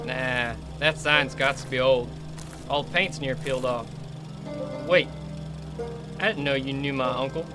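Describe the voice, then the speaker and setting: A man's voice: medium pitch, steady tone, a little slow, pauses often, music in the background, natural voice. A man acting an earnest, plain-spoken country monster hunter in an audio drama, with a Southern American accent. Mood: puzzled. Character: earnest rural monster hunter avenging his uncle.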